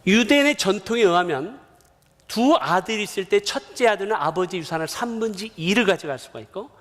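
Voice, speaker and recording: Middle-aged guy preaching in a church, high voice, long hall echo, acts out stories. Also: brisk. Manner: animated storytelling, acting out family dialogue. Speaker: missionary preacher. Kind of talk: sermon. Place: church sanctuary.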